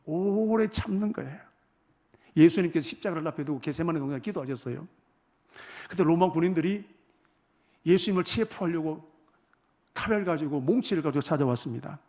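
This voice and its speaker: A man's voice: a little high, a little fast, long pauses. Man preaching with questions to his flock. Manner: asks the congregation rhetorical questions, loudness swings from hushed to forceful. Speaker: senior pastor. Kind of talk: sermon. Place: church sanctuary.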